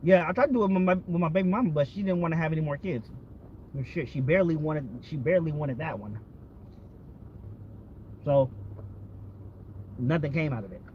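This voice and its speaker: A man's voice: a little high, fairly quick, pauses often. An American man chatting casually and candidly, rambling with frequent swearing and repeating himself as he goes. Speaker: vlogger. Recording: dull lo-fi audio with background vehicle noise.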